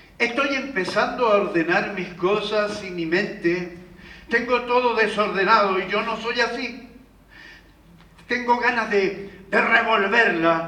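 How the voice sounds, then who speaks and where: A man with a high pitch speaks in a raised, projected voice at a very slow pace, with ordinary pitch variation. Noticeable background noise and audible room echo sit behind him. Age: 80s+. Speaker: elderly narrator reflecting on his life. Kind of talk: personal reflective monologue.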